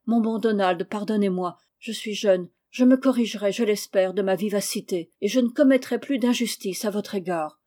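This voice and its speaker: A woman reading as a hot-tempered, earnest young gentleman with formal, emphatic speech in a storybook. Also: medium pitch, moderate pace, hardly any pauses, close to an everyday voice. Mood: contrite. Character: proud, hot-tempered but repentant young gentleman farmer.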